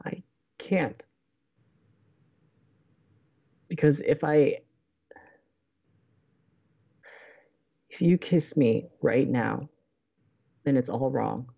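A woman playing an anxious, stubborn young college radio host in an audio drama, with a flustered, halting, emphatic way of talking. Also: extremely low pitch, lively intonation, gravelly, dark tone, breathy edge, lo-fi sound, exaggerated voice. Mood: anguished. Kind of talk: naturalistic audio drama acting.

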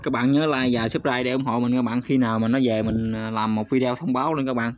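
A man talks viewers through a screen recording at an ordinary middle pitch. He is chatty and hesitant, stopping on fillers and turning to his audience again and again. The recording sounds slightly dull and lo-fi. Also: steady tone, fast, a little hiss or hum. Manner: chatty, hesitant, often stops on fillers and addresses viewers constantly. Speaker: YouTube channel host. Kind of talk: casual screen-recorded walkthrough.

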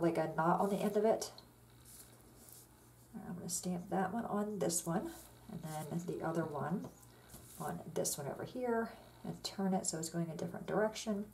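A woman's voice: lowish voice, gravelly, a little hiss or hum. A woman hosting a card-making tutorial, chatting casually as she walks through each step. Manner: chatty, relaxed, step-by-step instructions with fillers. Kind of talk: casual crafting demonstration. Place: indoors at a craft table. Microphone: overhead camera on the tabletop, hands only.

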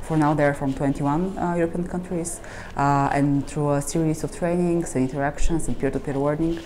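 A young woman, a program coordinator, explaining a training program in a measured way with frequent pauses. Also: sits low, fairly even intonation, mellow, a little hiss or hum. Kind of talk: documentary interview. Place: plain indoor room.

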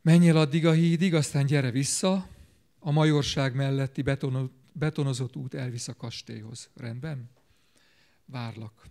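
A man voicing a gruff, weary older director of a children's home in a read-aloud story. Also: medium pitch, fairly even intonation, darkish tone, close to an everyday voice. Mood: gentle. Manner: grumbling, weary.

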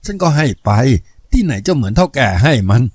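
A man's voice: fairly high pitch, very animated, a little fast, slightly rough, dry recording, clean studio sound. A man voicing a scheming, lustful gangster boss in a spoken novel, sly and complaining.

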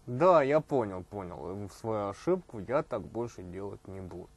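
Man as a husky, naive little puppet mouse. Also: on the low side, animated, normal speed. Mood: sheepish. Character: young male mouse puppet, naive and apologetic.

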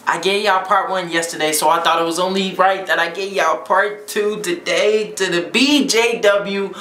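A young man hosting a reaction video, talking in an excitable way and often exclaiming or shouting in disbelief. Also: high-pitched, moderate pace. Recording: echoey room.

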